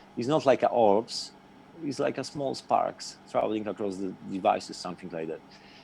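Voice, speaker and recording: A man with a non-native accent, a dark, mellow tone and lively intonation. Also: medium pitch for a man, moderate pace, big swings in loudness. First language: not English. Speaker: inventor sharing experiments. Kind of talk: casual group video call discussion. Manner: halting.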